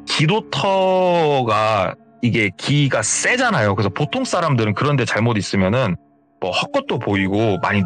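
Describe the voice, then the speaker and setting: A man who hosts a horror radio show, retelling a viewer's ghost story in an animated way and acting out the quoted dialogue. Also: mid-range voice.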